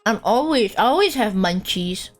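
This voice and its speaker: A woman's voice: mid-range voice, normal speed, faint music behind, poor audio. A woman streamer chatting casually and teasing her guest while reading out chat messages. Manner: playful teasing, lively singsong delivery. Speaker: streamer host.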